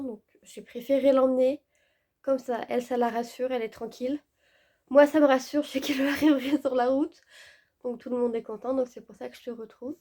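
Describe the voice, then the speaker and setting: A woman's voice: sits high, warm tone. A woman in her twenties chatting casually to her viewers, her voice stuffy and worn from a head cold, rambling with lots of fillers. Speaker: vlogger.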